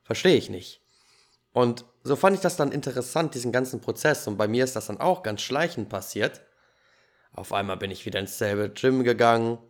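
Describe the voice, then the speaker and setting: Male podcast host, relaxed and chatty, swapping personal stories, medium-pitched voice. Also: normal speed. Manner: animated storytelling, laughs easily, youthful slang. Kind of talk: casual podcast conversation.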